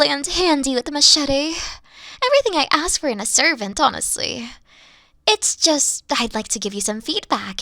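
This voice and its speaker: A woman's voice: high voice, bright, forceful tone, no room sound, exaggerated voice. A woman playing a dorky, theatrical evil queen who is secretly sweet, talking pompously and then slipping into casual speech in a comedic audio roleplay. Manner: grandiose, pompous villain talk slipping into casual dorkiness. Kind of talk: comedic character roleplay monologue.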